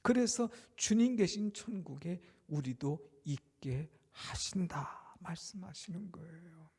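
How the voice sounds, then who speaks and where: A male pastor preaching a Good Friday sermon, swinging from loud declarations to hushed whispers and leading the congregation in amens. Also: high voice, slow pace, husky. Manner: leads the congregation in amens and responses.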